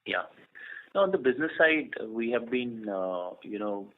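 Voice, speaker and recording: A man, a company executive, giving halting, cautious answers on an earnings call. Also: mid-range voice, animated. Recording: narrow phone-line sound.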